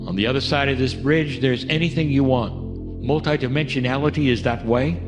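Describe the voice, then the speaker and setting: Gentle man guiding a meditation. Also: mid-range voice, normal speed. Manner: gentle, coaxing, asks the listener many questions. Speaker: spiritual teacher leading a meditation. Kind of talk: guided meditation. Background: music.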